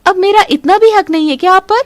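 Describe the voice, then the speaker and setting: A woman voicing a spoiled, demanding young sister-in-law in an animated story, talking in a whiny, pouting way. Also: very high-pitched, fast, pitched above the performer's own voice. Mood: pouty.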